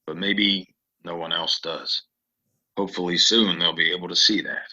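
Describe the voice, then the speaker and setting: A man playing a deep, forceful troubled Western stranger. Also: steady tone, moderate pace, slightly rough, muffled recording, exaggerated voice. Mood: gentle, reflective. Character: troubled, soft-spoken male stranger, war veteran in Western town. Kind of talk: Western audio drama acting.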